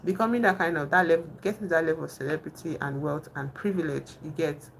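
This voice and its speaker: A woman's voice: sits low, fairly even intonation, quick pace, vocal fry, slight background noise, rough recording. A young Nigerian woman with a Nigerian accent, hosting a casual live stream, chatting with viewers and thinking aloud with many fillers and restarts. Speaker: livestream host.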